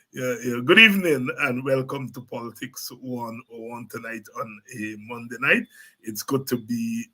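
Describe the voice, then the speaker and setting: Chatty Guyanese man, bright and husky. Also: medium pitch. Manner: chatty, repeats words, many ums. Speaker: podcast host. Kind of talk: casual monologue.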